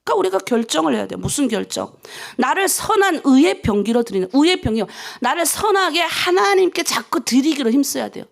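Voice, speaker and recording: High, gravelly-voiced woman pastor preaching. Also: big pitch swings, fairly quick. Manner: emotional storytelling, acts out prayers to God. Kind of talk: dawn prayer sermon.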